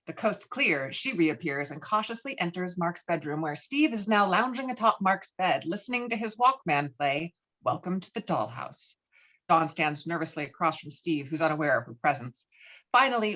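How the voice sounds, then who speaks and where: A woman's voice: on the low side, a bit bright, muffled recording. A woman giving scripted narration of a screenplay, reading out scene headings and action. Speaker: stage directions narrator.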